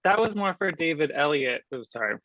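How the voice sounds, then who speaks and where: A man in an online class explaining himself haltingly and apologetically over a video call. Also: a little high, expressive, fairly bright tone, dry recording. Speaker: class participant. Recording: dull, dry video call audio.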